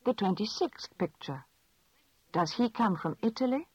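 A woman asking measured, clearly spoken questions in a scripted language lesson drill. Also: medium pitch, animated, a little mellow, no echo. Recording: dull lo-fi dry recording.

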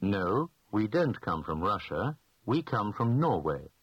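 Low husky man, careful drill answers. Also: big pitch swings, no room sound, highs cut off. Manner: slow, clearly enunciated answers. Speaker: language lesson speaker. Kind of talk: scripted language drill.

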